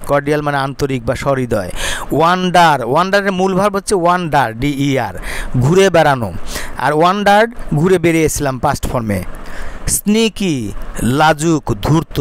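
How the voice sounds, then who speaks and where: A male teacher explaining a textbook English lesson. He reads the English lines slowly and stretched out, then explains them quickly and asks "right?" again and again. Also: on the high side, a little hiss or hum. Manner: repeats words and asks "right?" often.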